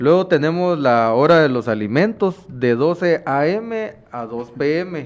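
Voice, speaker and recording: With a fairly high pitch and lively intonation, a man speaks at a very slow pace with hardly any pauses. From Guatemala, Jutiapa. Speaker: business owner, community organizer. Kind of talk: panel discussion.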